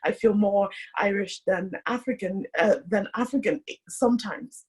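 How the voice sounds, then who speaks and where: A woman's voice: mid-range voice, normal speed, darkish tone, husky. A woman podcast host from Kenya, chatting casually and leaning on fillers like "like" and "you know". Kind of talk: casual conversation.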